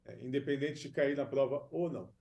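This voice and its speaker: A man's voice: medium pitch, brisk, gravelly, a little mellow, highs cut off. A Brazilian man in early middle age, giving informal advice as an expert on a self-recorded video. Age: 30s or 40s. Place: small room at home or office.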